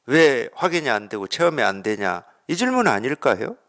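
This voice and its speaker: A man's voice: mid-range voice, big pitch swings, moderate pace, fairly bright tone. A man from Korea giving a Buddhist dharma talk as a Zen teacher, conversational, asking rhetorical questions and acting out the dialogue.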